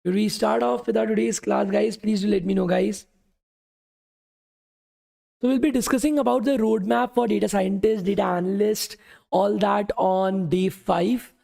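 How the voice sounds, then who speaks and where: A man's voice: sits high, fairly even intonation, moderate pace, creaky, dark tone. A young man teaching a live coding class, his voice worn from talking all day. He talks casually, keeps saying "okay" and "guys", and answers questions from the chat. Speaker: coding bootcamp instructor. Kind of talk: live-streamed coding lesson.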